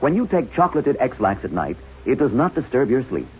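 Lively, chipper 1950s radio ad announcer, male. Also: medium pitch, brisk. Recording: muffled, hissy old radio broadcast.

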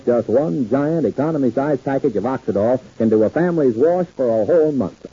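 A man's voice: medium pitch, dark tone, husky. A man working as an old radio announcer, reading scripted copy in a polished, emphatic sales manner. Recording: dull 1950s radio recording.

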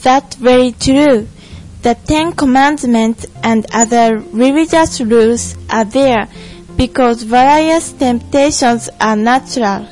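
A woman's voice: on the high side, slow, a little mellow, rough recording. A young woman playing an earnest Jewish panelist from Israel in a scripted student stage play, over music. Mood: earnest, didactic. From Japan. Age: young adult. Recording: music behind the voice.

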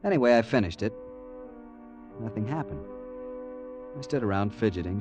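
An actor playing a young man narrating his growing fear in 1940s radio acting style. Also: lowish voice. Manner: narrates tensely, growing panicky.

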